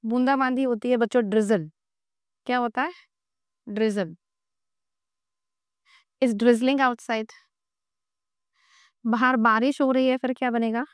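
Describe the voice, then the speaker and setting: A woman teaching an English grammar lesson, asking her class questions and answering them slowly. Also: fairly high pitch, fairly even intonation, clean tone, no echo, clean studio sound.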